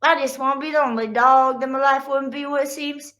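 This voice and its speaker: A woman's voice: high voice, steady tone, brisk, a bit bright. Woman voicing Angus, a complaining middle-child dog. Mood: aggrieved. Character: put-upon male middle-child dog, jealous and complaining. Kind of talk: children's storybook read-aloud.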